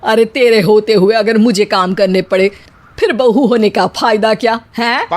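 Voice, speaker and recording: A woman's voice: mid-range voice, normal speed, close to an everyday voice. A woman voicing a bossy, easily frightened middle-aged mother-in-law in a cartoon story, scolding as she talks.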